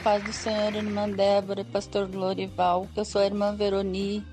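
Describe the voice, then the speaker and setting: A woman's voice: medium pitch, completely flat delivery, normal speed. A woman with a Brazilian accent leaving a church-style greeting as a radio listener. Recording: message with clear music behind. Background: background music.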